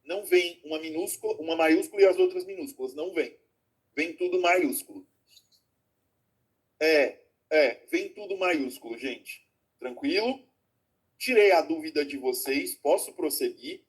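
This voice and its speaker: A man's voice: fairly high pitch, measured pace, pauses often, breathy edge. A man teaching an online class, explaining step by step, checking in with students often and calling them affectionate names. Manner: explains with frequent check-in questions; affectionate, calls students "my loves". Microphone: video call.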